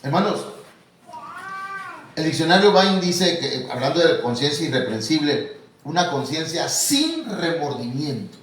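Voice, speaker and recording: A man's voice: a little high, sing-song, a little slow, fairly bright tone. A man with a Mexican Spanish accent, a pastor preaching a sermon in a conversational, storytelling way, calling his listeners brother. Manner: conversational, tells anecdotes, addresses listeners as hermano. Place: church hall. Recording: echoey hall from far off, faint noise.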